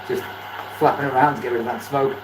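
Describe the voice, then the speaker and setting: A Welsh man talks casually to live viewers in an echoey workshop, with loud machinery running behind him. His pitch is mid-range, and he is chatty, often saying things twice for emphasis. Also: steady tone, fast. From Wales. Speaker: live streamer, beginner woodturner. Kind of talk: casual livestream chat while working. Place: indoor woodturning workshop. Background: lathe motor rumble.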